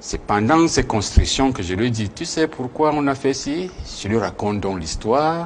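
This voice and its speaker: Speaking with very wide pitch swings, a man is heard. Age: 60s. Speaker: politician. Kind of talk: interview.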